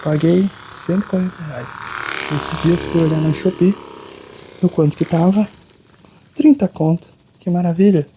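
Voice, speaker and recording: A Brazilian speaker playing a chiropractor in an ASMR roleplay, chatting softly and informally with a joking streak. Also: medium pitch, moderate pace, noisy background. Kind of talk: ASMR roleplay of a chiropractic session, soft casual chat.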